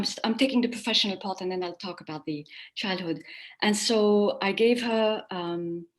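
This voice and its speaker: A woman guest, born in America and raised in Spain and France, telling her story in a rambling interview chat with restarts and light laughs. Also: mid-range voice. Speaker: guest, animal communicator.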